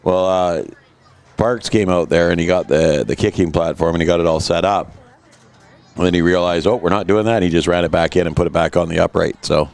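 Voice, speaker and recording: A man's voice: deep voice, brisk, creaky, darkish tone. A man giving easygoing color commentary on a local football game, explaining plays. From Canada. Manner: easygoing, analytical, many fillers.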